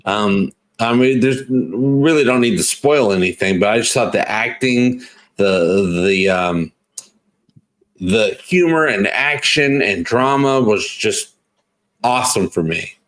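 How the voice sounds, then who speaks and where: A man's voice: lowish voice, lively intonation, takes it slowly, a bit bright. A man co-hosting a casual podcast, chatting with enthusiasm as a fan. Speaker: podcast co-host. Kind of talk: casual chat.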